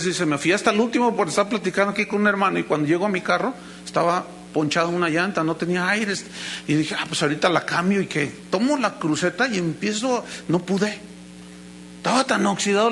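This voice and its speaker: A Mexican pastor delivers an emphatic sermon in a high, bright voice. He drags out key words for weight and slips into quoted voices for his stories. A faint hum sits under the recording. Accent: Mexican Spanish. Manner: acts out anecdotes in quoted voices.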